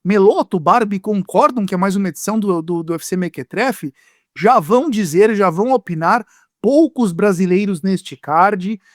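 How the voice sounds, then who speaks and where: A Brazilian man hosting a lively sports podcast in a playful, theatrical way, his voice rough from being sick. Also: high-pitched, moderate pace, no echo, clean studio sound. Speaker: podcast host.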